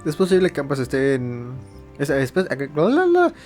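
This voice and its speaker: A man's voice: a little high, huge pitch swings, moderate pace, darkish tone, soft background music. A man hosting a let's play, giving casual commentary on a game. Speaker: gaming host.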